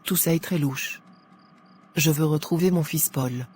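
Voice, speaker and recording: A man's voice: on the high side, unhurried, darkish tone, husky. A man voicing a worried, indignant Christian mother and pastor's wife in a cartoon. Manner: fretful, indignant. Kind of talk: French-language Christian cartoon acting.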